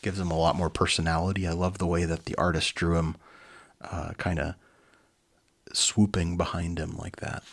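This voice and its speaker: A man's voice: low voice, flat delivery, moderate pace, vocal fry, breathy edge. A man presenting and reading a children's storybook, with an easygoing, informal manner. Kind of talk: dramatic reading with casual asides.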